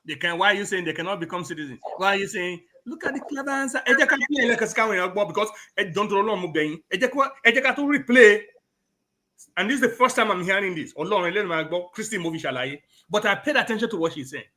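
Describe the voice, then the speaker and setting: Racing along with lively intonation, this man has a high-sitting, bright, forceful voice. A Yoruba-accented Nigerian guest on a political talk show, he speaks emphatically and alternates Yoruba with English.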